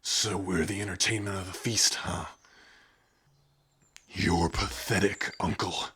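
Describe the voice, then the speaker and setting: A man playing a gruff, defiant orc warrior with a gravelly, raspy voice in an ASMR roleplay, blunt and threatening, protective of a companion. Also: low-pitched, fairly even intonation, takes it slowly, pushed and bright, full character voice. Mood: scornful.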